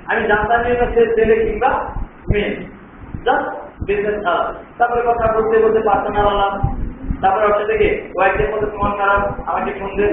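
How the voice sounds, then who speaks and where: A man with a very high voice lectures a training class, checking often with rhetorical questions and slipping English words into his speech. He sounds far from the mic in a very echoey room. The sound is thin like a phone line, with clear noise behind him. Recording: far-off, echoey, tinny, noisy room recording.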